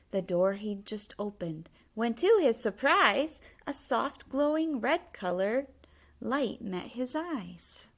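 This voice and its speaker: A woman reading a children's picture book aloud, with measured, expressive storytelling in rhyme. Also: medium pitch. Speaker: story reader.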